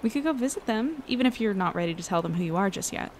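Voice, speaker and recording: An actress playing a relaxed, reassuring young woman in a naturalistic audio drama. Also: mid-range voice, quick pace, a little hiss or hum, natural voice.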